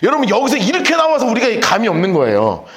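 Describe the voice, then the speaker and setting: A male pastor preaching a sermon in a church on a handheld microphone, telling the story in an animated way and acting out the voices of the people in it. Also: high-pitched, quick pace. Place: church sanctuary. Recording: echoey church hall.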